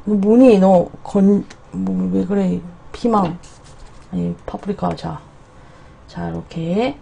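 A woman's voice: medium pitch, steady tone, slow, gravelly, mellow, breathy edge. A young woman chatting casually with viewers as the host of an eating livestream from a small room. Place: small indoor room at home.

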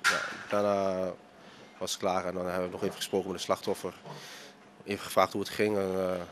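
Heavy background noise surrounds this low-pitched, monotone man as he talks fairly quickly. He's a restaurant owner in his thirties, answering a news interview in his dining room through a handheld reporter mic, halting and full of fillers.

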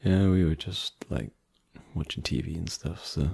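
A man's voice: deep voice, a little slow, gravelly, darkish tone, breathy edge, full character voice. A young man voicing an easygoing boyfriend in an ASMR roleplay, hesitant and filler-heavy, turning teasing. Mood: relaxed. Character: easygoing young adult boyfriend hosting friends.

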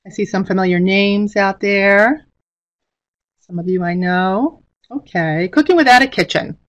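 A woman's voice: medium pitch, unhurried, lo-fi sound. A middle-aged woman giving an informal instructional presentation as a teacher, speaking over a video call. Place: indoor room, on a webcam video call.

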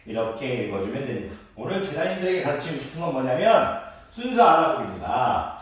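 A middle-aged man teaching a math lesson to young children. He refers to himself as the teacher and counts aloud slowly while drawing. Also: medium pitch, sing-song. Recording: echoey room, voice from a distance.

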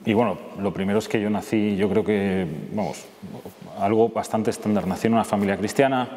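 Seated at a table inside a church, a man from Madrid, Spain gives an informal personal testimony to an audience through a lapel microphone. His low, slightly mellow voice has a Castilian Spanish accent, fairly even intonation and a fairly quick pace. The hall is echoey, with clear background noise.

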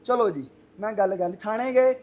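A man's voice: high voice, moderate pace, muffled recording. A man who is an advocate, speaking in an agitated way and switching between Punjabi and English in short bursts. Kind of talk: heated street interview.

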